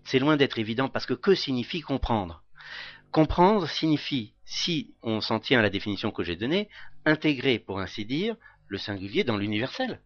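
A man's voice: medium pitch, big pitch swings, normal speed, no room sound, highs cut off. A male lecturer answering audience questions in a thoughtful, explanatory way. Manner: thoughtful, explanatory, with filler hein. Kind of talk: academic explanation.

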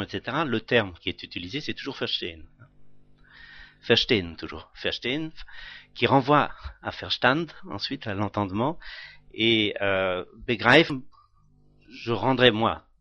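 A man's voice: on the low side, muffled recording. A male lecturer answering audience questions in a thoughtful, explanatory way. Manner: thoughtful, explanatory, with filler hein. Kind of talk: academic explanation.

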